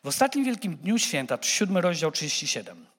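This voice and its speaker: A man preaching a sermon who speaks straight to the congregation, animated and repeating words as he stumbles. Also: a little high, a little fast, slightly rough, long reverb tail.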